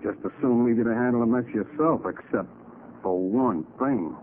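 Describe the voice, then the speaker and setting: An actor playing a cocky, slangy gangster killer in a 1940s radio crime drama. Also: male voice, medium pitch, normal speed, narrow, tinny audio, close to an everyday voice. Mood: smug, cold. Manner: tough slangy gangster talk. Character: cocky male gangster killer and swindler holding a gun. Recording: scratchy, thin 1940s radio recording.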